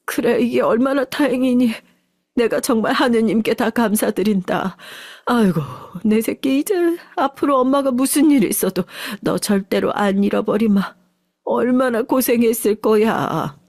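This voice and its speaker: A woman's voice: flat delivery, takes it slowly, mellow. A woman voicing an elderly, poor mother who wails with emotion. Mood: sobbing. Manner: high, wailing, emotional.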